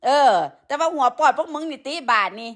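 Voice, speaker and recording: Woman, Isan Thai accent, somewhat high voice, sore throat from a cold, profane scolding live-stream monologue. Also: a little fast. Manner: crude, scolding, heavy with profanity; peppers talk with fillers. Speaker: livestreamer addressing followers.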